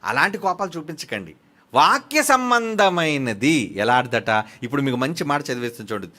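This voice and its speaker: A man preaching a sermon who swings between soft and loud, fires off rhetorical questions, and reads scripture slowly and emphatically. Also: medium pitch, sing-song.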